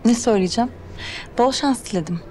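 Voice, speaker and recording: A young actress playing a scheming rival who talks to others in a sugary, mocking, patronizing way, in a TV drama. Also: female voice, fairly high pitch, fast, noisy background, natural voice. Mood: defensive. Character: sly, condescending young woman rival. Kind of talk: television drama acting. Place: hotel meeting hall. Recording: scene music underneath.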